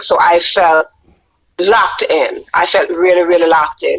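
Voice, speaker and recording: A woman with a Jamaican accent at a moderate pace. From Jamaica, Saint Andrew. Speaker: book author. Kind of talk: radio interview. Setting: radio show.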